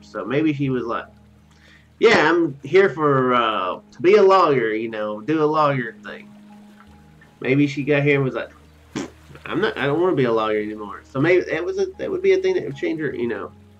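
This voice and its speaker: A man talks fairly quickly while faint music sounds in the background. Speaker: game streamer. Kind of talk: casual gameplay commentary. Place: home room.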